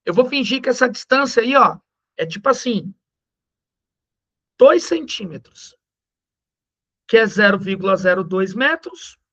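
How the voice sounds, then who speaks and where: Joking Brazilian physics teacher. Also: male voice, high voice, a bit bright, dull audio. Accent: Brazilian Portuguese. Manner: slangy, joking, slows down to stress key numbers. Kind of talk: recorded classroom lesson.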